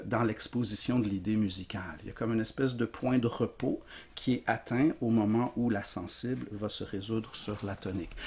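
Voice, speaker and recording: A man's voice: medium pitch, gravelly. A man giving a recorded music theory lecture, explaining patiently with frequent fillers. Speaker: music teacher.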